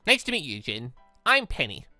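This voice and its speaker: A cheerful young robot girl from a visual novel, as a narrator acts her out, bright and bouncy in pitch. She is polite, precise and formal, and stays matter-of-fact. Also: wildly swooping pitch, normal speed, no echo, soft background music, exaggerated voice.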